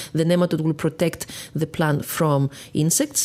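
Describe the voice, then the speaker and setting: An enthusiastic voice with a Greek accent and ordinary pitch variation over noticeable background noise. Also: woman. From northern Greece, Florina. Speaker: scientist, research director. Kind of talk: interview.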